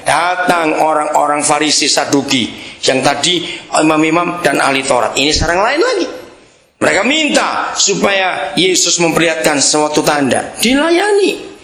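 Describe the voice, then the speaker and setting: A man preaching a sermon, teasing and quizzing his congregation, with sudden loud outbursts. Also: on the high side, sing-song, normal speed, reverberant. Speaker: pastor.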